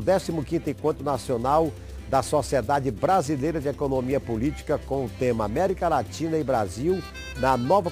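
A man's voice: medium pitch, a little mellow. A man in his fifties hosting a local TV show in a studio, folksy and chatty, on a lapel mic. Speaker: TV show host. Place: TV studio set.

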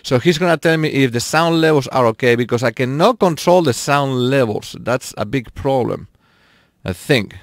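While playing a racing game on a live stream, a man chats casually with viewers and laughs a lot, his mid-range voice animated and moderately paced. The audio is clean studio sound with no room sound.

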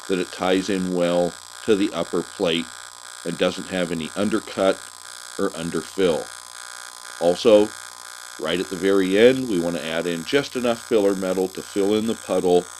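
A low-pitched man delivers a calm, methodical voice-over as a welding instructor, explaining settings and technique one step at a time. The recording is rough, with a slight hiss or hum.

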